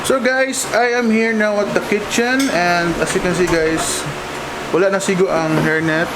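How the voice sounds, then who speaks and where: A man's voice: high voice, fairly even intonation, normal speed, heavy background noise. A man presenting a food vlog, upbeat and talking to viewers. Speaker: food vlogger.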